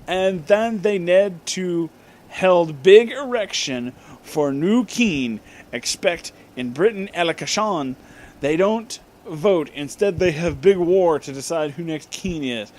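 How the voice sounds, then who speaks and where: A man with a high, expressive voice and a darkish tone reads fan fiction as a comedy piece. He purposely pronounces the misspellings as written and slips in asides.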